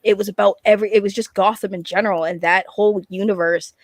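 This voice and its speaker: A woman talking casually in a group chat, animated and informal, often repeating phrases as she goes. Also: medium pitch, quick pace. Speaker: panelist on an entertainment chat show.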